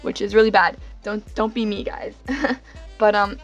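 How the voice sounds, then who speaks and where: A young woman with a hoarse, sickly voice narrating a casual journal setup, rambling and self-deprecating with lots of fillers. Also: medium pitch, unhurried, faint music behind. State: hoarse, getting over being sick. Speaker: bullet journal vlogger.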